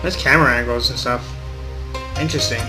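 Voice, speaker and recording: A man's voice: medium pitch, fairly quick, over music. A man doing let's play commentary and reading game text aloud, stumbling over words at times, with playful reactions. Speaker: let's player. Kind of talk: gaming commentary with visual novel read aloud.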